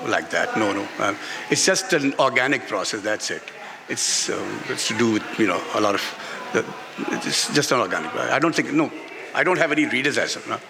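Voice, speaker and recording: A man with a Pakistani accent answering as an author in an unscripted stage interview, halting and repeating phrases for emphasis. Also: medium pitch, vocal fry. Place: literature festival stage before an audience. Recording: reverberant public-address sound at festival.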